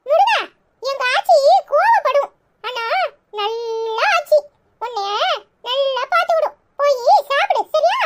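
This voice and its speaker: A woman does cartoon voice acting for a chatty, bossy, cheeky little boy, using a Tirunelveli Tamil accent. Her voice is very high, animated, and heavily acted, with a slow pace and a chirpy mood. Background noise is clearly audible.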